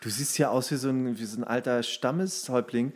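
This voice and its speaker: A man's voice: mid-range voice, brisk, a little mellow. A young man, talking casually as co-host of a podcast.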